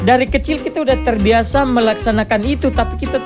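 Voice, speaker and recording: Music plays behind a man who talks at a very fast pace. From eastern Indonesia (NTT). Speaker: stand-up comedian and debt collector content creator. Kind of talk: podcast interview answer.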